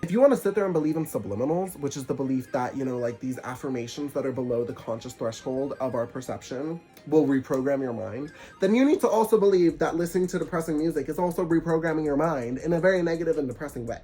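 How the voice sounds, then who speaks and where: A man's voice: a little high, fast talker, few pauses, faint music behind. Congested young man preaching spiritual advice. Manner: animated, preachy, sarcastic asides. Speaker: vlogger. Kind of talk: casual spiritual advice monologue.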